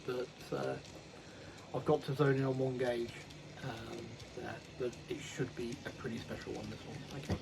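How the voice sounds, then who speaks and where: A man's voice: mid-range voice, level tone, normal speed, creaky, noisy background. A man casually vlogging about his model railway hobby, rambling and correcting himself with many ums. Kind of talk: casual unboxing chat.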